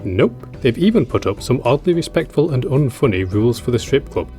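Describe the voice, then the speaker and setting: A man's voice: medium pitch, sing-song, fairly quick, warm tone. A man narrating a scripted game review as a scathing, drily sardonic critique. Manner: dry, sardonic humour. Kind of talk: scripted video essay narration. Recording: music behind the voice. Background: background music.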